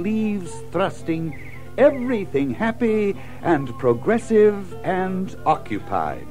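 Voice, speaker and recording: A man narrating a children's story in an expressive, theatrical scripted style, savoring lists and alliteration. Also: fairly high pitch, poor audio.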